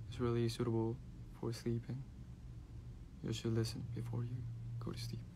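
A man speaks with a Korean accent over light background noise. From South Korea. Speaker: K-pop idol. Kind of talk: casual fan livestream chat. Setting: Instagram live stream. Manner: friendly, playful. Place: home room. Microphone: phone near.

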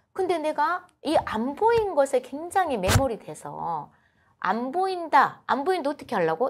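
A woman with a Jeolla accent speaks in an animated tone, her pitch swinging very widely. Noticeable background noise sits behind her. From South Jeolla, Korea (Muan); South Jeolla, Korea. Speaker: election candidate. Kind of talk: interview. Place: studio. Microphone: lapel.

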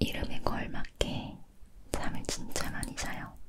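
Whispering, a woman talks at a very slow pace. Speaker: ASMR creator. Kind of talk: ASMR whispered talking while drinking beer. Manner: whispered, soft, intimate. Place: home room. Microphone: studio mic.

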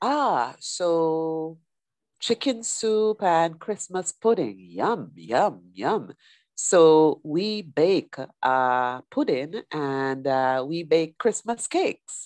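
A very slow woman's voice, fairly low in pitch, with very wide pitch swings, a dry sound with no echo, and a quiet background. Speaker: English conversation teacher. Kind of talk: online conversation class. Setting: video call. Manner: frequent laughter. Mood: warm, friendly. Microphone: headset.

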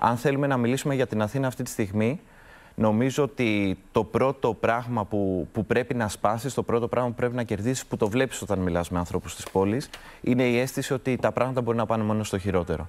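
The man's pitch varies in an ordinary way as he speaks at a fairly quick pace. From Athens, Greece. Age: 30s. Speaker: mayoral candidate; candidate. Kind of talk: interview. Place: studio. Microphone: lapel.

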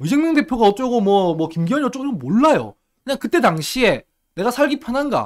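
At a very fast pace, a man speaks with an extremely high pitch and very wide pitch swings. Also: quiet background. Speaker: political commentator. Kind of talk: casual political talk on live stream. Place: studio. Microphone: studio mic.

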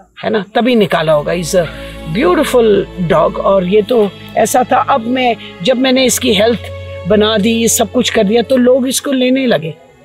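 Faint music plays behind a woman with a fairly high pitch and lively intonation. Her pace is fairly slow, and the sound is dry with no echo. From Himachal Pradesh, India. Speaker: animal rescuer. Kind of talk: documentary interview answer. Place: open country.

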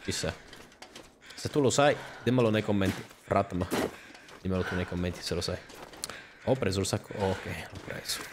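Speaking at a fairly low pitch with ordinary pitch variation, a man keeps a moderate pace and takes long, frequent pauses against noticeable background noise. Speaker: gaming YouTuber. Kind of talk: let's play commentary. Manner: animated.

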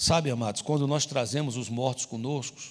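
Ordinary pitch variation colors a man's fairly quick speech. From Northeast Brazil, João Pessoa; Northeast Brazil. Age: 60s. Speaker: pastor. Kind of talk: sermon. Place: church. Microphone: handheld.

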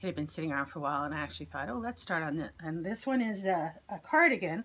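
A woman's very fast delivery, fairly low in pitch with very wide swings and a bright, sharp tone. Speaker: knitting video podcaster. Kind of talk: casual show-and-tell monologue. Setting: home video recording. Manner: hesitant, many fillers. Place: home room. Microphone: webcam.

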